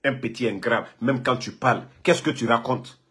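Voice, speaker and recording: A man's voice: medium pitch, normal speed, fairly bright tone. A man from Guinea, ranting and scolding a rival on a live phone video, repeating himself. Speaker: political online commentator.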